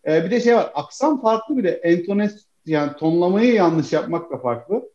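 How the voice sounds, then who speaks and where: A man's voice: sits high, expressive, normal speed, a little mellow. A man from Turkey chatting casually with friends, laughing often and calling them "abi". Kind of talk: casual chat. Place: living in the United States. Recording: dull roomy home recording.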